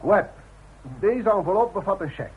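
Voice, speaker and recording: Swooping, hearty speechmaking boss. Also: male voice, high voice, animated, normal speed, a crowd in the background. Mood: warm, solemn. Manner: oratorical, jovial. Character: hearty, formal male boss giving a speech. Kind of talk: Dutch radio play acting. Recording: noisy, tinny, narrow-band old radio recording.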